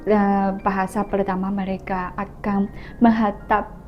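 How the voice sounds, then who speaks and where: A young woman from China with a Chinese accent, a native Mandarin speaker, answering interview questions as a student in halting foreigner's Indonesian. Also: medium pitch, little pitch movement, lo-fi sound, faint music behind. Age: young adult. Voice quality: difficulty rolling the R. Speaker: student guest.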